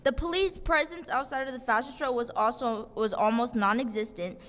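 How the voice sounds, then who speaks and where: A woman's voice: a little high, brisk, a bit bright, a little hiss or hum. A young woman giving an impassioned, accusing public comment to a city council. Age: young adult. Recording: long reverb of a council chamber.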